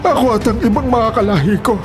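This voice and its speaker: A man's voice: extremely high pitch, fast. A man playing an elderly tribal elder in a radio drama, earnest, insistent and scolding. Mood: alarmed. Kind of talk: Filipino radio drama acting.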